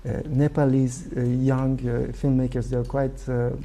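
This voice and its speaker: A man from Iran with a Persian accent, a filmmaker answering interview questions in a thoughtful, halting way with many fillers. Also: mid-range voice, little pitch movement, dark tone. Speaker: filmmaker guest.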